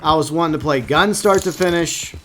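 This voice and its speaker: Chatty Texan streamer. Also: male voice, fairly high pitch, brisk, bright, forceful tone, slight background noise. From Texas. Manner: chatty, reads viewer comments aloud, frequent fillers. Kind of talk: casual live-stream chat.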